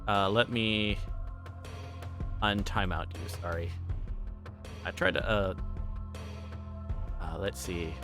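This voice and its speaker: A man livestreaming a game, reading aloud and chatting in a halting way, stumbling over words. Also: deep voice, fairly even intonation, music in the background. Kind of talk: reading a visual novel aloud and chatting with stream viewers. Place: livestream with music playing behind.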